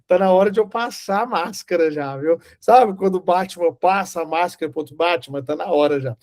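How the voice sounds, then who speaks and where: Animated man telling a testimony. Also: sits high, fairly quick. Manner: animated storytelling, acting out dialogue. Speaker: Bible teacher. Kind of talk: sermon with personal testimony.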